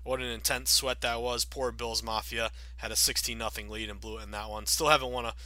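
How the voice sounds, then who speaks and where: A man in his thirties hosting a sports betting podcast, chatty and upbeat with many fillers, sounding a bit raspy from a cold. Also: mid-range voice, little pitch movement, brisk, pushed and bright, dry recording. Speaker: podcast host.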